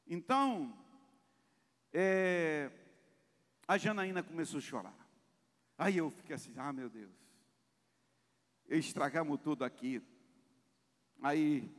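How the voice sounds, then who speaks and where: A man preaching a sermon to his congregation at a family seminar, speaking with passion and often swelling in loudness. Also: a little high. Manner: addresses congregation directly. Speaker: pastor. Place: church hall. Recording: long church reverb.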